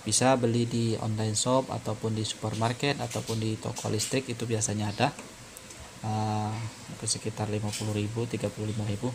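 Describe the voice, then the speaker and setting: Flat-toned man, noisy recording. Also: on the low side, a little fast. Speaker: phone repair tutorial presenter. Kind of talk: informal hands-on tutorial narration. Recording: noisy home-made recording.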